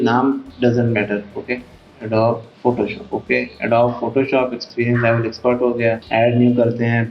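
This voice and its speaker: A man's voice: mid-range voice, echoey room, muffled recording. A Pakistani man with a Pakistani Urdu accent, casually walking viewers through a tutorial as host, often saying "theek hai" and "yaar". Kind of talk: screen-recorded tutorial.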